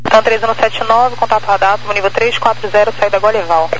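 A man's voice: high voice, a little fast, fairly bright tone. A man speaking terse, procedural air traffic phraseology over a radio transmission. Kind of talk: clipped aviation radio phraseology. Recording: muffled, very noisy aviation radio.

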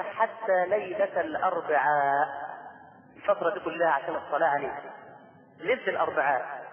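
A man with an Egyptian accent preaching an emotional sermon, shifting between slow, drawn-out chanting and impassioned cries. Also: extremely high pitch. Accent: Egyptian Arabic. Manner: impassioned, rising to near-shouting peaks. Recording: echoey hall from far off, phone-like sound.

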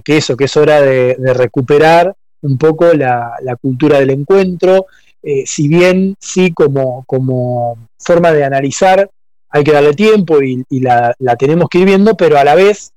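Man, hesitant, reflective, higher voice, dry. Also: moderate pace, a little mellow, no room sound. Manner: thoughtful, hesitant, uses voseo. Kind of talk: cultural discussion.

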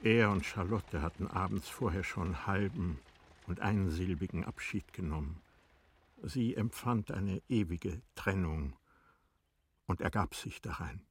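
A man narrating a German literary radio play in a measured, sober, formal manner. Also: low-pitched, breathy edge, no echo.

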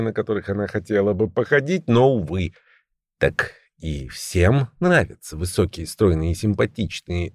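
Low-voiced wry male audiobook narrator. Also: dry recording, studio quality. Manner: wry, ironic storytelling. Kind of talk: first-person audiobook narration.

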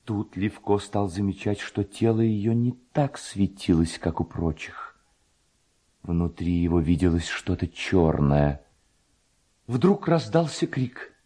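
Mellow, low-voiced male storyteller. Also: lively intonation, slow, husky. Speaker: narrator. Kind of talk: dramatic literary storytelling.

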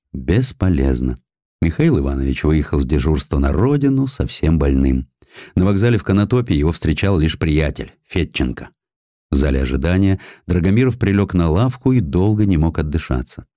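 A man reading a historical sketch as a dramatic audiobook narrator, expressive and emphatic, with deliberate pauses. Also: sits low, no room sound, studio quality.

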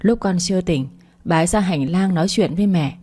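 A sorrowful older mother, quietly coaxing her daughter, read by a woman storyteller. low and dark, spoken in the reader's own voice. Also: brisk, slightly rough. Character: worried older mother, gently advising.

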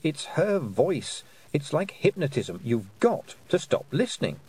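A man's voice: a little high, big pitch swings, unhurried, darkish tone, slightly rough, pitched above the performer's own voice, heavily acted. A man reading aloud and voicing a young girl's urgent, logical inner thoughts. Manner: insistent, urgent, arguing.

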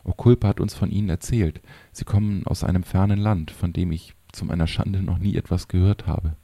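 A man's voice: sits low, fairly even intonation, brisk, mellow, no room sound. A man reading a worried village father. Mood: respectful.

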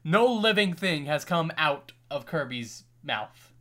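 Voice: medium pitch, expressive, slow, fairly bright tone. A young adult in a casual chat, arguing points and reasoning things out.

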